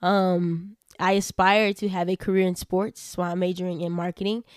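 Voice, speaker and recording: This woman talks at a moderate pace with an American accent, her pitch medium. Her intonation is monotone and flat, and the sound is dry and close with no echo. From Chicago, west side. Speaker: college student podcaster. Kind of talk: casual monologue. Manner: laid-back.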